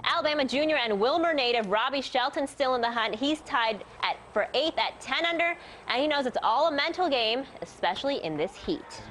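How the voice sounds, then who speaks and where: A woman's voice: sits high, expressive, brisk, hardly any pauses, fairly bright tone, slight background noise. A woman with an American accent reading scripted sports news as a TV anchor.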